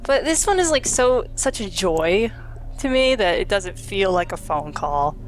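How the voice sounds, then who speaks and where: A woman's voice: medium pitch, sing-song, unhurried, background noise. A woman hosting a Let's Play with casual, sardonic, sweary commentary. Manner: sardonic, profane. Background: game music.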